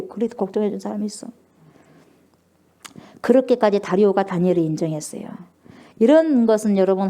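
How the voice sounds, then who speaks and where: A woman's voice: mid-range voice, warm tone. A woman pastor preaching a sermon, speaking emphatically, asking the congregation questions and acting out scripture with feeling. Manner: emphatic, asks the congregation questions and acts out scripture with rising emotion.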